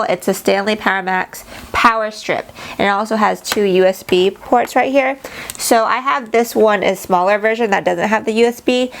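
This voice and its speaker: A woman giving a casual, chatty show-and-tell as a travel vlogger, explaining things informally to camera. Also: medium pitch.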